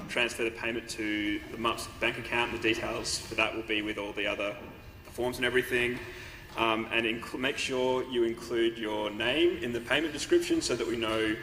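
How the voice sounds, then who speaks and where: A man's voice: mid-range voice, pushed and bright. A young man giving a casual announcement to a class, with frequent ums. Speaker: student society representative. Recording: echoey lecture hall recording with faint noise.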